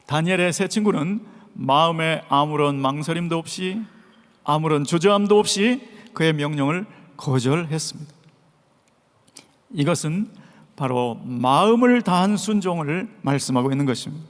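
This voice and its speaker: A man preaching a Sunday sermon as pastor, posing rhetorical questions and acting out shouted calls. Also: fairly high pitch, moderate pace. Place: church sanctuary. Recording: long reverb of a large church hall.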